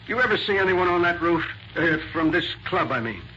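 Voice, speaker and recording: An actor playing a gruff, impatient, suspicious homicide sergeant with a curt, grumbling manner in a 1940s radio crime drama. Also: male voice, fairly high pitch, lively intonation, fairly quick, background noise, lightly acted. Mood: brisk, probing. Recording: dull lo-fi 1940s radio recording.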